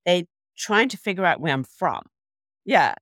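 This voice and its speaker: Low-voiced South African woman. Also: expressive, unhurried, fairly bright tone, dry recording, clean studio sound. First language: Afrikaans. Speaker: interview guest, nurse. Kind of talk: casual interview conversation.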